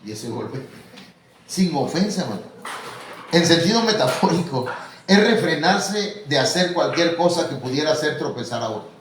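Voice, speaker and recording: A man's voice: fairly high pitch, animated, moderate pace. A man with a Mexican Spanish accent, a pastor preaching a sermon in a conversational, storytelling way, calling his listeners brother. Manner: conversational, tells anecdotes, addresses listeners as hermano. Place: church hall. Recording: echoey hall from far off, faint noise.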